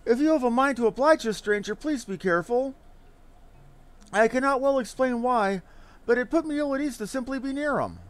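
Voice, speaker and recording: A man voicing a polite, cautious attendant in formal, measured words, reading game dialogue aloud. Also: very high voice, lively intonation. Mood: uneasy, courteous.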